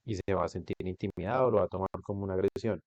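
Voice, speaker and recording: A man's voice: low-pitched, fairly even intonation, rapid-fire, a little mellow. A man teaching an online class, explaining step by step and putting questions to a student, with frequent restarts. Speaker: instructor. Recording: dull lo-fi recording.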